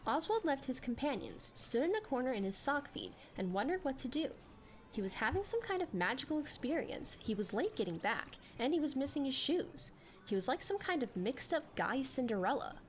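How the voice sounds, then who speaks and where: A woman's voice: high voice, big pitch swings, a little fast, slight background noise. A woman reading a story as a scripted, dramatic narration.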